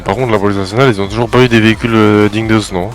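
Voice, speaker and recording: A man's voice: fairly low pitch, steady tone, rapid-fire, soft background music. A man making wry, slangy casual banter during a game.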